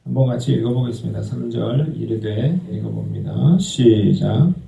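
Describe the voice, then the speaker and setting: 한 남자 목사가 설교하면서 회중에게 질문을 던지고 스스로 답한다. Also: male voice, medium pitch, moderate pace, vocal fry, warm tone. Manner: asks the congregation questions and answers them himself. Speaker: pastor. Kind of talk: sermon. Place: church sanctuary. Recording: echoey church hall, mic at a distance.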